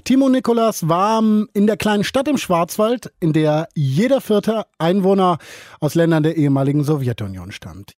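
A male radio presenter reads scripted feature narration with a lively, swinging intonation on a fairly high voice. The close studio mic gives a dry, intimate sound with no room. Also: moderate pace, no room sound.

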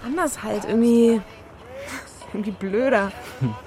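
A woman playing a pensive, uneasy babysitter who talks and narrates in a low-key, hesitant, natural way in a radio drama. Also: moderate pace, darkish tone, close to an everyday voice. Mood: musing, doubtful. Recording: music under the voice. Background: music.

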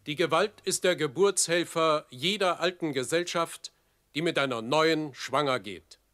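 Forceful revolutionary theorist, higher sharp-edged voice, emphatic radio-feature declamation. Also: male voice, unhurried. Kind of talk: dramatic quotation reading in a radio feature.

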